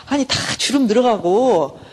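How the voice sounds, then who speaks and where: A woman's voice: a little high, animated, breathy edge. A middle-aged woman, a professor, giving a conversational university lecture on counseling. She asks the class questions, answers them herself and acts out short everyday exchanges. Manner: acts out quick everyday exchanges in shifting voices. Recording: lecture hall with long reverb.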